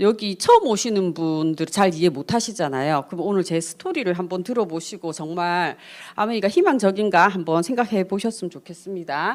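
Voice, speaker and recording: A woman's medium-pitched voice at a moderate pace. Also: very clean recording, silent background. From provincial South Korea, not Seoul. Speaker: direct-selling business leader. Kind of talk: business presentation talk. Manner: casual, conversational.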